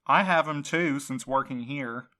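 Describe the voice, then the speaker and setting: A woman's voice: rumbling low, measured pace, fairly bright tone. A woman voicing a blunt, sardonic widowed courier in an audio drama. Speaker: night courier.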